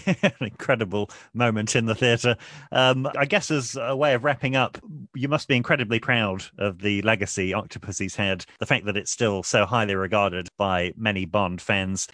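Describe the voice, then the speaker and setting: Bright, low-voiced male interviewer. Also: normal speed. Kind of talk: interview questions.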